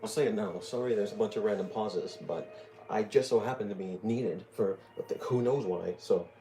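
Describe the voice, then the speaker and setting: A man's voice: on the low side, normal speed, music in the background. A man giving casual let's-play commentary over a video game. He sounds exasperated and pokes fun at himself. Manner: casual, exasperated and self-mocking. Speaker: gaming YouTuber.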